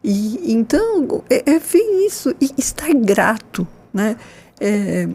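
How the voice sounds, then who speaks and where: An enthusiastic woman in her sixties chats on a panel, her voice pitched a little high yet mellow and dark in tone. She talks expressively, often tagging her sentences with little checks for agreement. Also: slow pace, slightly rough. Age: 60s. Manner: enthusiastic, expressive, with frequent "né?" tags. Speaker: nurse and guest. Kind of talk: casual panel conversation.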